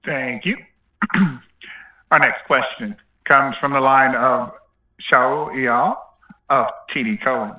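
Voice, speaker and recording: Male conference operator, mid-pitched, formulaic scripted introductions, dull lo-fi phone-call sound. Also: steady tone, slow pace, reverberant.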